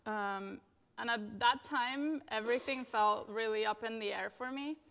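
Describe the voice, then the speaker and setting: Woman, 30s, design speaker at a conference; relaxed and rambling, bright pitch, clean smooth tone. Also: unhurried. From Venezuela. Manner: casual, many fillers, frequent "you know" and "like". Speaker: graphic designer giving a talk. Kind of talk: conference talk.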